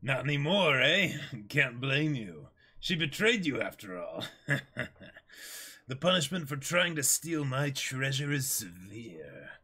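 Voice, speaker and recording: A man's voice: medium pitch, sing-song, takes it slowly, bright, forceful tone, breathy edge, exaggerated voice. A man voicing a boisterous, menacing pirate captain in a commanding, theatrical, gloating manner.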